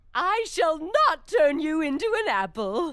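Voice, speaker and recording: In a cartoonish character voice, a female-sounding voice at an extremely high pitch makes very wide pitch swings while moving at a fairly slow pace. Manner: menacing, theatrical.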